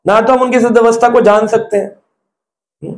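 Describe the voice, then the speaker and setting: A man's voice: very high voice, steady tone, a little slow, reverberant. A man giving a devotional discourse, telling stories and asking the listeners rhetorical questions. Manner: storytelling, asks rhetorical questions. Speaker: preacher.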